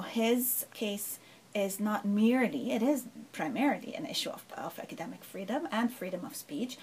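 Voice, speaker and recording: A woman's voice: mid-range voice, darkish tone, a little hiss or hum, poor audio. A middle-aged woman professor from Lebanon, answering interview questions thoughtfully with frequent fillers and rhetorical asides. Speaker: professor, guest.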